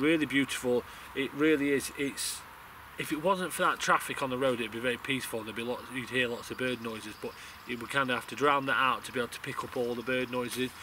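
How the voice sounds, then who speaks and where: A man talks at a very fast pace with fairly even intonation. Noticeable background noise runs underneath. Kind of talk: casual vlog chat. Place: forest.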